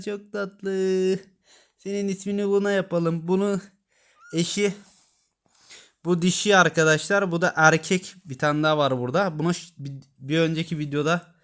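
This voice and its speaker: A man's voice: on the high side, clear, resonant tone. A man filming his kittens at home, chatting casually to viewers and cooing affectionately at the animals with many repeated words. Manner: cooing and baby-talking to kittens. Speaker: pet vlogger.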